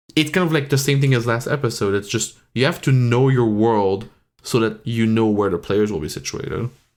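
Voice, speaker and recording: In a very clean recording with a silent background, a man talks at a moderate pace with a strong Quebec accent. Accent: thick French Canadian. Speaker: podcast host and game master. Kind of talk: casual chat.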